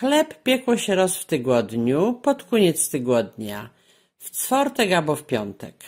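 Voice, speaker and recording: A woman speaks with a Świętokrzyskie accent at a fairly low pitch. Her pitch swings very widely. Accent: Świętokrzyskie rural dialect. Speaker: author of dialect tales. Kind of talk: dialect storytelling.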